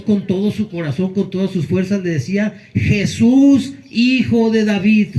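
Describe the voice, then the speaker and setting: A male pastor preaching a Sunday sermon, earnest with emphatic pauses. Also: high-pitched, warm tone, rough recording.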